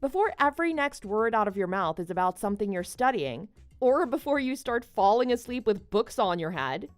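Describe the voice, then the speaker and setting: A woman performs a devoted, accommodating wife in a scripted story drama. Her voice is high and swings animatedly as she talks conversationally. The recording is dry and close. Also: very animated, normal speed, dry recording, faint music behind. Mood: pleading. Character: devoted, slightly needy wife, doubtful but accommodating.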